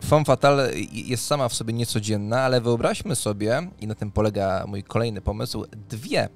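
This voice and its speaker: A man's voice: mid-range voice, moderate pace. A man, co-hosting a discussion of tabletop role-playing ideas, often searching for words. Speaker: podcast co-host, game master. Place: small dim home studio. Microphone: close studio mic on arm, headphones. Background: faint music.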